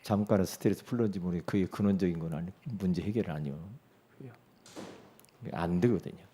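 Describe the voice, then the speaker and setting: A middle-aged man preaching a sermon as pastor, emphatic, asking rhetorical questions and swinging between loud declarations and soft asides. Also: sits low, quick pace, slight background noise.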